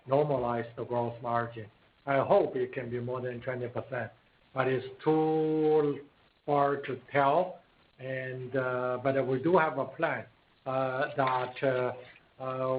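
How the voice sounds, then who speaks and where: Male executive on an earnings call, slow and deliberate, hesitant phrasing, tinny phone audio with faint noise. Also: mid-range voice. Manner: halting, deliberate, careful phrasing. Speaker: company executive answering analysts. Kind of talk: earnings call question and answer. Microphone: phone conference call.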